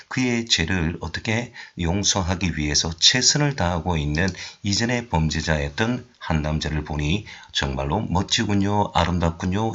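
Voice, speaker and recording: A male English instructor giving a recorded online lecture, explaining words one by one and reading English examples slowly. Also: low-pitched, fairly bright tone. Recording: roomy, dull lo-fi recording.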